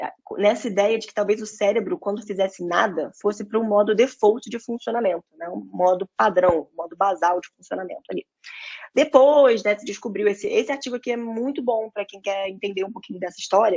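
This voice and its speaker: At a fairly quick pace, a woman speaks in a medium pitch with ordinary variation and big swings in loudness. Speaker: neuroscience researcher. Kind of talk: lecture. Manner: fast.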